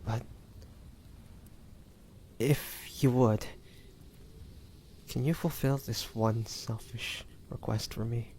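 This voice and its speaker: A man playing a wounded, devoted young demon hunter in an audio drama, speaking in a halting, breathy, pained way. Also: mid-range voice, fairly even intonation, darkish tone, a little hiss or hum. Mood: tender, dying. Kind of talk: dramatic audio roleplay acting.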